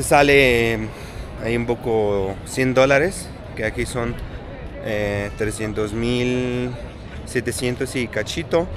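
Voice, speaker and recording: A man speaks at a very slow pace with fairly even intonation and long, frequent pauses. The sound is dry with no echo, though background noise is noticeable. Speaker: travel vlogger. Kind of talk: casual vlog chat. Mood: relaxed, friendly. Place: street. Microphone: phone near.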